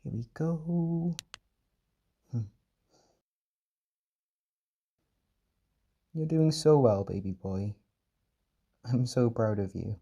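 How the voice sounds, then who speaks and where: A man acts out a tender, doting caretaker in a comfort audio roleplay. His voice is mellow and husky with a creaky edge, coaxing and reassuring in an intimate, unhurried way. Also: medium pitch, lo-fi sound, full character voice. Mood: encouraging, tender. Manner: tender, reassuring, coaxing, uses pet names. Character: gentle, doting male caretaker soothing his overwhelmed partner.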